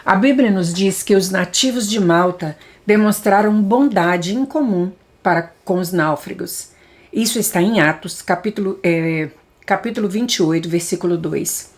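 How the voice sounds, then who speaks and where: A woman's voice: mid-range voice, moderate pace. A Brazilian woman reading a Christian book aloud in the manner of an audiobook. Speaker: audiobook reader.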